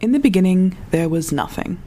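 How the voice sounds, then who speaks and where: A woman playing a reflective, philosophical storyteller, delivering a solemn, deliberate monologue in an audio drama. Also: lowish voice, lively intonation, dark tone. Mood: solemn, musing.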